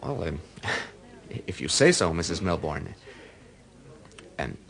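Radio drama aide, low pitch, smooth, hesitant, protective, easily puzzled. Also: male voice, sing-song, takes it slowly, fairly bright tone, exaggerated voice. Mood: polite, puzzled. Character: personal assistant to a celebrity woman, smooth, puzzled, protective man.

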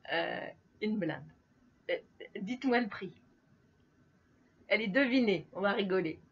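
A tired middle-aged beauty vlogger chats casually to the camera while doing her makeup, laughing often and speaking directly to her viewers. Her mid-range voice is animated and unhurried. The home recording is slightly dull with faint noise.

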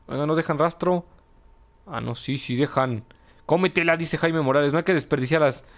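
A man's voice: on the high side, normal speed. A young man with a Mexican accent, casually commentating a video game, reading chat messages aloud and laughing often. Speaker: gameplay streamer. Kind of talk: casual live gameplay commentary.

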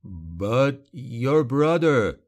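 A man's voice: mid-range voice, sing-song, drawn-out words, a little mellow. A man voicing a timid innkeeper in an audiobook, anxious and pleading in manner. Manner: stammering, pleading, nervous.

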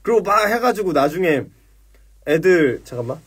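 A man's voice: high-pitched, very animated, moderate pace, fairly bright tone, breathy edge. A young man casually telling a rambling, profane story on a livestream and acting out quoted dialogue. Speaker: livestream host.

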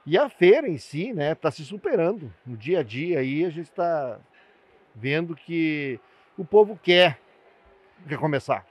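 A man's voice: fairly high pitch, very animated, a little slow, breathy edge, dry recording. An older man, a cattle breeder, speaking plainly in an interview at a livestock pavilion into a handheld mic. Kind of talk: interview answer.

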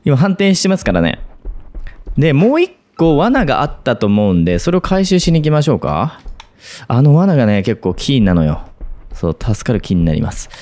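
A man's voice: medium pitch, wildly swooping pitch, moderate pace, a little mellow. A man commenting on a horror game as he plays, muttering to himself and breaking into sudden yelps. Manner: jumpy, talks to himself, sudden yelps and laughs. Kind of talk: let's play commentary.

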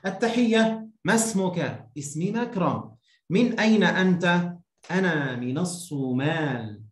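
Echoey man teaching, deliberate enunciation. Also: sits high, animated. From Egypt. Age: 30s. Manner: slow, deliberate enunciation, prompting and repeating. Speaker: Arabic teacher. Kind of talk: beginner language lesson to one student. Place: small indoor room, video call. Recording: roomy echoing online-call sound.

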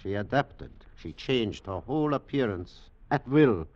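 An actor playing a grave, world-weary older German scientist in a 1940s radio drama, speaking deliberately. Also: male voice, medium pitch, lively intonation, darkish tone. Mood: grave, foreboding. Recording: muffled 1940s radio broadcast.

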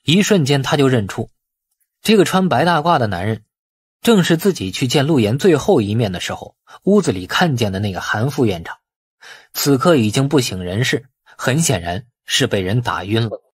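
A man's voice: mid-range voice, big pitch swings, moderate pace, husky, dry recording, studio quality. A man reading a suspense novel as a dramatic audiobook narrator.

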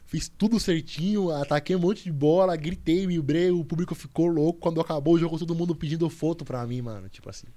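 A young man, a podcast guest telling a story in a lively, slangy way, full of restarts and repeats. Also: a little high, quick pace, hardly any pauses. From Cuba. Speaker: podcast guest, volleyball player. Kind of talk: casual storytelling chat.

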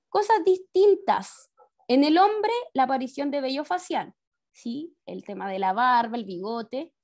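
Teaching a science class over a video call from home, a woman with a slightly high, somewhat mellow voice and a Chilean Spanish accent walks the kids through each step. After every point she adds a tag question to check in, treating the pupils as children. Her laptop mic picks up the sound.

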